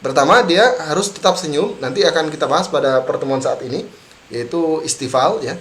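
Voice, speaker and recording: A man teaching Quran recitation in an online tajwid lesson, repeating sounds slowly to demonstrate them. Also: on the high side, expressive, a bit bright. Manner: drawn-out slow demonstration syllables between explanations.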